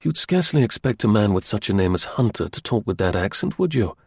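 Guy reading a calm detective type, probing and businesslike, husky gravelly voice, storybook narration. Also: fairly low pitch, no echo, clean studio sound, exaggerated voice. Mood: musing. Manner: measured, inquisitive, businesslike. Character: calm, probing male investigator.

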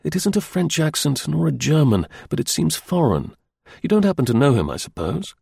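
Man playing a measured, gravelly investigator. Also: a little high, sing-song, a little mellow, dry recording, studio quality, voice pushed up, heavily acted. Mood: musing. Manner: measured, inquisitive, businesslike. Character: calm, probing male investigator.

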